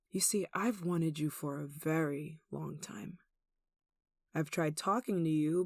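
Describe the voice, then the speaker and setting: Casting: woman to play possessive yandere kidnapper for ASMR roleplay, lowish creaky voice, sweetly menacing and coaxing. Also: no echo, studio quality, full character voice. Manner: cooing, coaxing, with sighs and giggles. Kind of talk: intimate ASMR roleplay acting.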